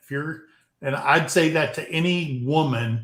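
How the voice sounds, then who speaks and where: The man's voice is somewhat breathy, and its pitch varies in an ordinary way. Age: 60s. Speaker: homesteader. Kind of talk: casual chat.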